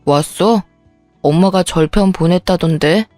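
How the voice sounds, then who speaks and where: A selfish young husband, as a woman reading a story puts him on, brushes everything off in a curt, lowered voice. The recording is dry and close with faint music beneath. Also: unhurried, a little mellow, dry recording, close to an everyday voice. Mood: offhand.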